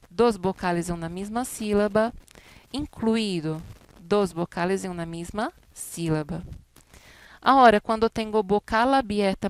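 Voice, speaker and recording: A woman's voice: medium pitch, clear, resonant tone, no echo. Woman teaching Spanish vowels. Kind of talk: recorded class explanation.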